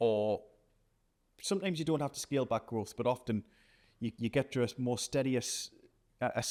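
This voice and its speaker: Someone with a North East England accent talks at a fairly quick pace in a dark, mellow tone, with a dry, close sound with no echo. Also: man. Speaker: company founder and CEO. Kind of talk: podcast interview. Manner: hesitant with repetitions.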